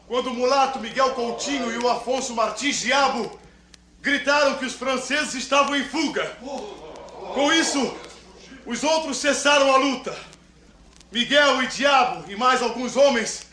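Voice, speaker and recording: A man playing an excited colonial soldier giving a loud, declamatory battle report in a 1960s radio drama. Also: very high-pitched, exaggerated voice. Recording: echoey, faintly noisy old radio recording.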